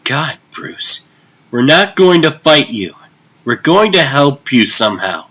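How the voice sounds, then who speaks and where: A man's voice: mid-range voice, sing-song, slow pace, sharp tone, voice pushed up, full character voice. A man voicing an earnest, loyal young superhero sidekick with an urgent manner in a comic dub. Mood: earnest, reassuring.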